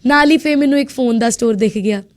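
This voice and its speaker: Young woman from india chatting on the radio, high voice, tells it lively and acts out the quotes. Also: fast talker. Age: young adult. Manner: lively storyteller who acts out quoted speech. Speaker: radio guest, international student. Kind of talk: casual storytelling interview.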